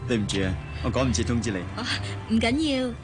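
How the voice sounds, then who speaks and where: An actor with a Hong Kong Cantonese accent playing a caring, punctual young boyfriend in a radio drama, speaking softly and gently. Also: male voice, mid-range voice, wildly swooping pitch, fairly quick, over music. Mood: teasing, gentle.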